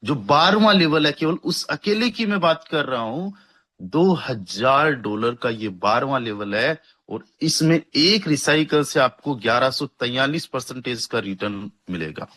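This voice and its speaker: Man giving an upbeat earnings pitch. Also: animated, unhurried, sharp tone. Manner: hyping earnings, repeating figures, addressing friends. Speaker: network marketing presenter. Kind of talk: persuasive sales pitch.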